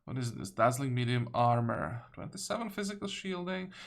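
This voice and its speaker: A man's voice: medium pitch, expressive, normal speed, creaky. A man giving casual commentary while he plays a strategy game, thinking aloud and reading the game text out. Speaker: video game let's-player.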